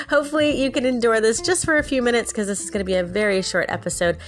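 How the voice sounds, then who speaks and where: A podcast host with a sinus infection speaks fast in a slightly high, nasal, stuffed-up voice. She tells a casual story, addresses listeners directly and laughs often.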